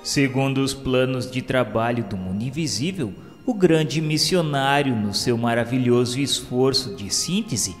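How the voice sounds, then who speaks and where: A man's voice: medium pitch, unhurried, few pauses. Male narrator, Brazilian, formal and literary read for a devotional radio drama, big reverberant sound over a music bed. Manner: solemn, formal, literary delivery. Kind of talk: scripted narration of a religious radio serial. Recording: long hall reverb.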